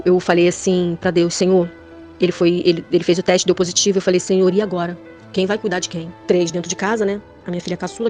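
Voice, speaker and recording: A woman's voice: lowish voice, mellow. A middle-aged woman with a Brazilian Portuguese accent gives a fervent personal faith testimony to her brothers and sisters in the church. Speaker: church member giving a testimony.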